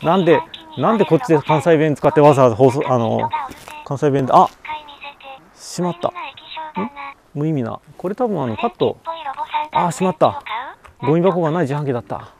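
Pausing at a roadside vending machine on a mountain road, a man livestreams his bike trip, chatting loosely and answering viewer comments. He sounds slightly high, very animated, fairly quick, and creaky, with long pauses. The low-quality action camera and webcam recording includes crowd noise.

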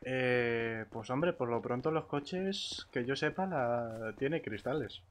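Give the voice of a man with a Castilian Spanish accent, talking casually as he plays an online game. His pitch is average and his speech is colloquial and sweary. A faint noise sits behind him. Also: takes it slowly. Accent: Spanish (Spain). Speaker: gamer in online roleplay. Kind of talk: casual chat while gaming.

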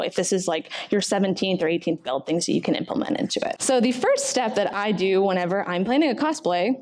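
A woman's voice: medium pitch, a little mellow. A young adult woman presenting informally at a convention panel, speaking in a conversational, encouraging way into a table microphone. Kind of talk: informal slide presentation to a room. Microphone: table microphone on a stand.

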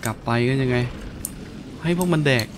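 A gaming YouTuber gives casual gameplay commentary at normal speed in a mid-range voice, packed with coarse, slangy exclamations and remarks aimed at enemies. Video game music and sound effects play behind him, along with background noise.

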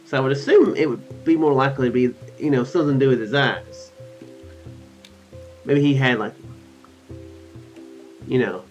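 A man in his thirties, hosting a let's play from a small room at home, reads game text aloud and adds rambling, casual commentary with musing asides. His mid-range voice has a darkish tone, a normal pace and frequent pauses. The audio is dull and lo-fi, with game music behind him.

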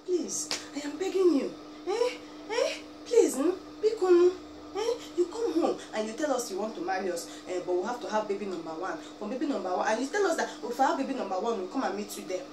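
Over music, a young Igbo-accented woman from Abia State, Nigeria, delivers an animated vlog rant from a chair in a small room, her highish voice expressive and quick. She pleads and scolds with lots of "eh?" and "biko" asides. Recorded at home by a camera a few feet away, the audio is roomy, distant and noisy.

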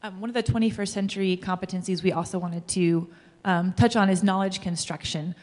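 A woman's voice: medium pitch, fairly even intonation, brisk, a little mellow, slight background noise. Woman teacher presenting in a big hall. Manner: earnest, explanatory, uses fillers. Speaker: high school Spanish teacher. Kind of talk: conference presentation. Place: large school hall, on stage. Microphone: handheld microphone. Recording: long reverb of a large hall.

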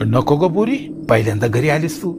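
A man voicing an affectionate middle-aged village mother who speaks softly and coaxingly. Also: a little high, very animated, moderate pace. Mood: tender. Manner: soft, coaxing. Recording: loud hiss with crickets.

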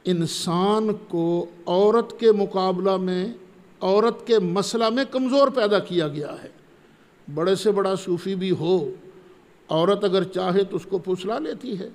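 A man giving a Quran commentary lecture, reciting Arabic verses slowly and then explaining them. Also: high voice, a little mellow. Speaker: Quran teacher. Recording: long hall reverb.

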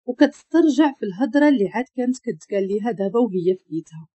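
A woman with a Moroccan accent narrating a dramatic family story with expressive delivery. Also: fairly high pitch, very fast, husky, no room sound, dull audio.

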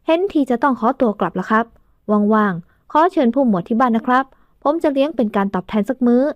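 A woman's voice: a little high, animated, fast talker, darkish tone, dry recording, lo-fi sound, natural voice. A woman voicing a wary, wealthy older father in an audio novel, guarded and half joking.

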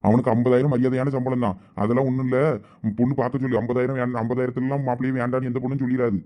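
A man playing a stern village husband in a family skit, talking briskly and firmly. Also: mid-range voice, level tone, warm tone, natural voice. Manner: brisk, scolding, firm. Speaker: husband and shop owner. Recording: dull lo-fi sound.

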